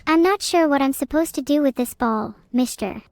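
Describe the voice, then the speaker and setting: A synthetic female voice of a streamer, deadpan and sarcastic in casual game chat. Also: sits high, normal speed.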